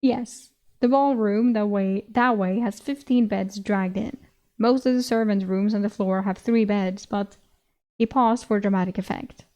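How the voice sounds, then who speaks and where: A woman's voice: medium pitch, a little slow, dark tone. A young woman with a Swedish accent, a native Swedish speaker, reading a fantasy novel aloud and stopping to chat and giggle between passages. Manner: giggly, breaks into laughter. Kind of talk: audiobook reading with commentary.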